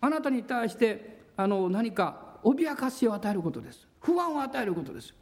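A man pastor preaching a sermon in a church, with drawn-out pauses and a voice that sometimes drops to a near whisper. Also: very high voice, big pitch swings, darkish tone.

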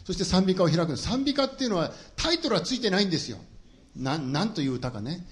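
A man's voice: sits high, sing-song, quick pace. A middle-aged man preaching a sermon, telling humorous stories about himself to the congregation. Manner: humorous personal storytelling to a congregation. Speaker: pastor.

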